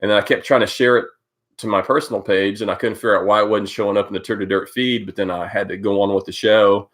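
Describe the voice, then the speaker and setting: A man with a very low voice, stuffed up from a cold, hosts a casual live stream into a close webcam at home. He rambles loosely, greeting viewers one by one with plenty of "um"s and "uh"s. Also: fairly even intonation, fast talker. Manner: rambling, greeting viewers by name, many fillers. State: congested from a cold. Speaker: host of a live cycling update stream.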